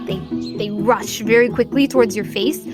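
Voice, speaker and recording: A woman game master improvising narration for a tabletop roleplaying game in a conversational, descriptive way, pausing often as she sets the scene. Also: fairly high pitch. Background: music.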